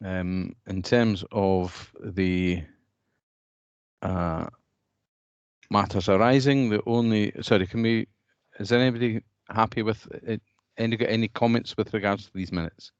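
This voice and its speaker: A man's voice: on the low side, steady tone, a little slow, smooth, no echo, lo-fi sound. A man chairing an online meeting, hesitant with many fillers and restarts.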